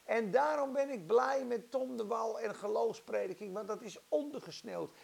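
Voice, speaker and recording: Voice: high voice, gravelly. A preacher delivering an impassioned, dramatic sermon and acting out Bible stories.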